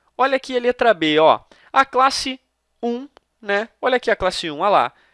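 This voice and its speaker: A man speaks at a moderate pace with lively intonation. The sound is dry and close with no echo, and the recording is very clean with a silent background. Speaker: teacher. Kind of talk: lecture.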